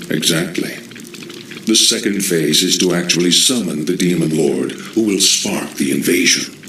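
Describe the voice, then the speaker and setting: A deep-voiced, echoing undead lich. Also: male voice, gravelly, bright, forceful tone, a little hiss or hum, heavily acted. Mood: cold. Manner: measured, cold, scheming. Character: undead lich sorcerer, scheming and cold. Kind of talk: game cinematic voice acting. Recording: echoey, reverberant voice. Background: orchestral music.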